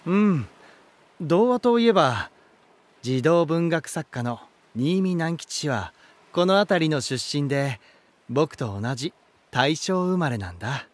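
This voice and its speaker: A man's voice: on the high side, lively intonation. An actor voicing a genial, elegant male lighthouse spirit in a voice drama, telling stories in a theatrical manner. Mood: proud, cheerful. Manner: smooth-mannered, theatrical, unhurried storytelling. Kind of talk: Japanese voice drama acting.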